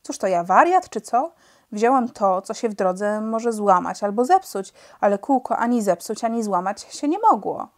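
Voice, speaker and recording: Storybook voice of a gruff, stubborn one-eyed pilot who bristles with indignation, as a woman reader puts him on. His voice sits mid-pitch and carries a loud, insistent edge. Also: very animated, moderate pace. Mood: indignant.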